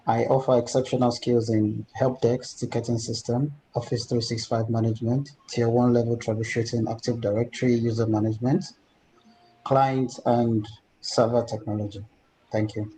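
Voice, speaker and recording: A man's voice: medium pitch, flat delivery, moderate pace, warm tone, slight background noise, rough recording. A man reciting a polished, rehearsed self-introduction as an intern in a mock job interview. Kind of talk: rehearsed elevator pitch. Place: home room on video call.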